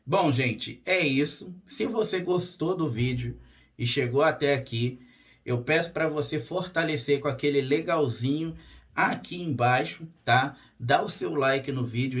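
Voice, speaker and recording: A spiritual therapist who hosts a channel delivers a casual monologue to camera in a hoarse, mid-range voice. He's unhurried, direct and plain-spoken, often checking in with "tá?"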